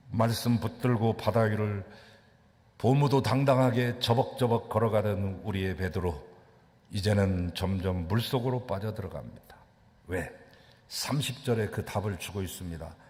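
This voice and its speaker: Brief: male pastor, dramatic sermon delivery, church hall reverb. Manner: dramatic storytelling with sweeping pitch leaps. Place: church sanctuary.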